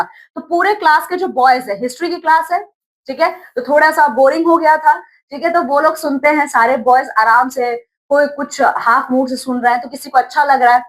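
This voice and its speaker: High-voiced woman retelling a story for a class. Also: fairly bright tone, low-quality recording. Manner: explains step by step, often saying "thik hai" between phrases; mixes Hindi with English words and lines. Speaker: teacher explaining a story. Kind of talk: lesson explanation, story retelling.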